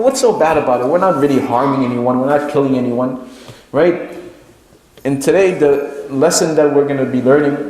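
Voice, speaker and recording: A man's voice: fairly high pitch, darkish tone. A man giving a sermon as a Muslim preacher, teaching in a didactic way with repeated phrases and rhetorical questions for emphasis. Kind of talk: sermon, lecture to a congregation. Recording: very echoey hall with long reverb.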